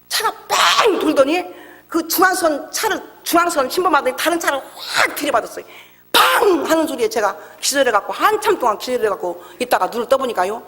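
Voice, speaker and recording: A woman's voice: a little high, a bit bright. A middle-aged woman pastor giving an emotional testimony sermon in a church, acting out the voices in her story. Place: church sanctuary. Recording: echoey church hall.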